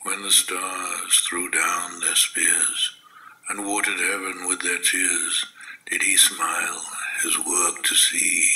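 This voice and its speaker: A man giving a dramatic poetry recitation, solemn and measured, with weighty pauses. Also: sits low, pushed and bright, low-quality recording.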